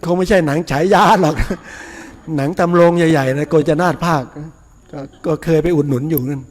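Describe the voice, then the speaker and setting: Folksy Thai monk preaching in a reverberant hall. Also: male voice, on the high side, moderate pace. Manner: folksy, chatty, with frequent laughs and rhetorical questions. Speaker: Buddhist monk. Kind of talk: casual sermon before a meal. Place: temple hall.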